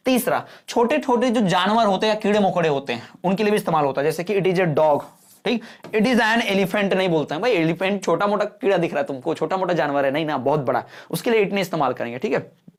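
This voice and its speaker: Man teaching grammar, checking "clear?". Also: high voice, lively intonation, fast talker. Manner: explains patiently, often checks with "clear?" and "bhai". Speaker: exam-prep teacher. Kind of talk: Hindi-English online lesson.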